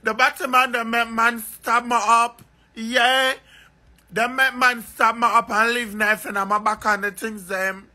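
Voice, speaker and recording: A man's voice: very high-pitched, level tone, a little slow, pushed and bright. A man ranting emotionally in a vlog, rambling and repeating phrases over and over.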